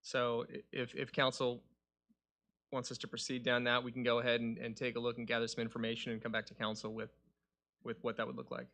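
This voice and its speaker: A man's voice: mid-range voice, completely flat delivery, fairly quick, a bit bright. A man working as a city staff official, giving explanatory answers at a public meeting.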